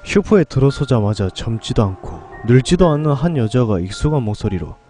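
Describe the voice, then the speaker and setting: A man tells a first-person horror story in a scripted, dramatic way. His voice is mid-pitched but swings widely in tone. Faint music plays softly behind him. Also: animated, brisk.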